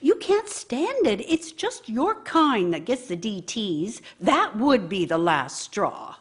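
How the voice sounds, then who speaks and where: A woman's voice: on the high side, very animated, slow, breathy edge, full character voice. An actress playing a bitter, nagging working wife who scolds her idle husband with scorn and sarcasm in a radio drama monologue. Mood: nagging, disgusted.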